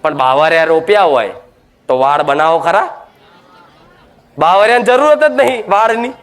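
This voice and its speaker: A man's voice: fairly high pitch, moderate pace, fairly bright tone. A man preaching a devotional sermon, emphatic and scolding, full of rhetorical questions.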